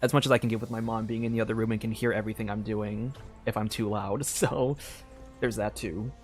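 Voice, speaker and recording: A man's voice: lowish voice, steady tone, fairly quick, darkish tone, faint music behind. A man chatting casually as a game streamer, explaining things in a hesitant, rambling way full of fillers. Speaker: streamer playing a game and voicing its dialogue. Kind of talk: casual livestream chat. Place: room at home.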